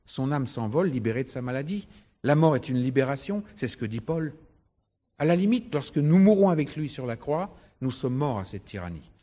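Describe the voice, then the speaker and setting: A male Christian preacher with a soft-edged, mellow voice at medium pitch. He teaches from scripture emphatically, driving points home with rhetorical repetition. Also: very animated, fairly quick.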